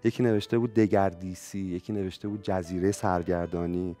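A man appearing as a guest on a television talk show, talking quickly and eagerly. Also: low voice, fairly even intonation, dark tone, soft background music. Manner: fast, eager talker. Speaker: guest psychologist.

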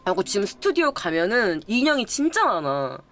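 A woman's voice: mid-range voice, big pitch swings, moderate pace, fairly bright tone. Young woman gossiping a spooky story, voice bounces all over, faint music behind. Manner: chatty, acts out gasps and voices she retells. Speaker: YouTube storyteller. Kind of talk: casual spoken ghost story.

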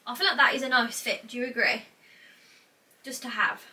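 A young British woman vlogging casually while sorting clothes in her bedroom, thinking out loud with lots of "like", a little congested from a cold, heard from a camera across the small room. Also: fairly high pitch, a little fast. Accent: British English. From England. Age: young adult. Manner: chatty, thinks out loud, frequent "like". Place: small cluttered bedroom wardrobe room indoors. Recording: distant mic, faint noise.

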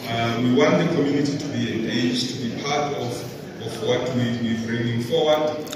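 A middle-aged man presenting at a podium in a large indoor mall venue, with a halting delivery full of fillers and repeated words. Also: medium pitch, crowd noise. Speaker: event organizer presenting at a launch. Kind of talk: public presentation speech. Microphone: podium microphone. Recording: echoey hall recorded from far off.

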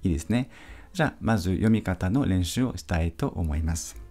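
A male teacher giving a patient pronunciation lesson, repeating each sound slowly for practice. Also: deep voice, lively intonation, dark tone, soft background music. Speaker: French teacher.

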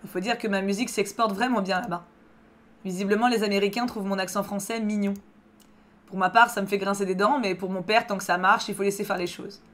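A woman's voice: mid-range voice, fast talker, lightly acted. A woman reading a young male singer's lines. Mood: thoughtful. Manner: plain, calm reading of the text. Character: young male French pop singer, tender lover. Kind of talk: reading visual novel dialogue aloud.

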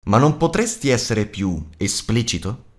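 A man voicing a proud dwarf leader with a low voice that moves lively in pitch. He presses his questions bluntly and impatiently, a gruff storybook chief. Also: moderate pace.

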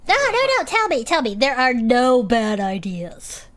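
Woman doing a high bright clawed critter, earnest and teasing. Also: big pitch swings, unhurried. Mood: earnest, playful. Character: eager clawed creature adventurer, sweet and earnest. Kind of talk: audio drama acting.

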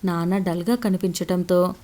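Woman with a mellow storytelling voice. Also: fairly low pitch, steady tone, moderate pace. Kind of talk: scripted first-person story narration.

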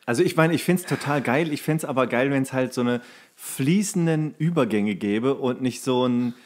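A man's voice: medium pitch, moderate pace. A man chatting casually as a co-host on a podcast.

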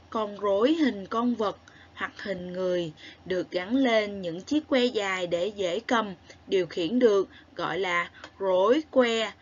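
A woman with a southern Vietnamese accent teaching a recorded lesson to young children, spelling sounds aloud clearly and praising the class. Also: mid-range voice, lo-fi sound. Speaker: primary school teacher.

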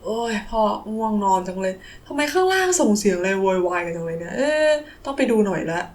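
A woman's voice: mid-range voice, expressive, fast talker, a little mellow, voice pushed down, close to an everyday voice. A woman voicing a sleepy, puzzled father who grumbles and exclaims in a children's toy story. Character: sleepy, startled father roused from his nap.

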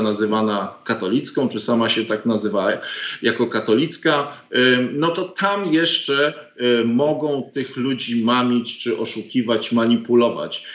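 Middle-aged male guest, hesitant and indignant, full of ums, roomy dull webcam sound. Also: mid-range voice. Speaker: guest commentator, professor. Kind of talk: political interview over video call. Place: home study with bookshelves. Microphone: video call webcam. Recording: roomy, dull lo-fi call audio.

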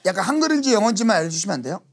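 A man in a casual group chat, animated and curious, asking questions. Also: high voice, racing, breathy edge.

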